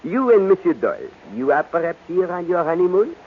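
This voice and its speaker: An actor playing a courtly, observant detective in an old radio drama, with a French accent and a theatrical, musing way of talking. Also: male voice, high voice, sing-song, brisk, a little hiss or hum. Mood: gently probing. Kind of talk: 1940s American radio drama acting. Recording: tinny, narrow-band old radio recording.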